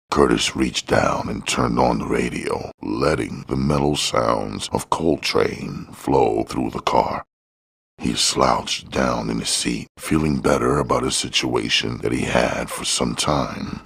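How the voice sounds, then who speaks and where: A man's voice: very deep voice, slow, gravelly, a bit bright, slightly rough. A man reading scripted crime fiction as an audiobook narrator. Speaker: audiobook reader.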